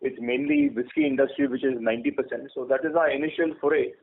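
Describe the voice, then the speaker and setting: A man with an Indian accent, a company executive giving measured explanations on an earnings call. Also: a little high, huge pitch swings, creaky, slight background noise. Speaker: company executive answering questions. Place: conference call. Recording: narrow-band phone conference line.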